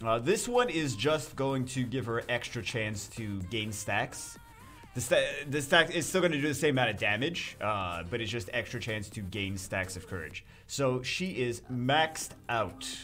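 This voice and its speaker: Faint music sits in the background. A man speaks at a fairly slow pace. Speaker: gaming content creator. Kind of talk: casual gameplay commentary.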